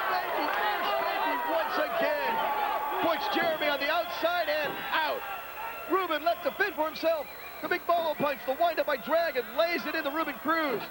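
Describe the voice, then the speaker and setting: A man giving excitable play-by-play commentary on a wrestling match, often shouting over the action, heard from a worn VHS tape copy. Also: extremely high pitch, background noise. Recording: worn VHS tape, loud arena crowd. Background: loud cheering wrestling crowd.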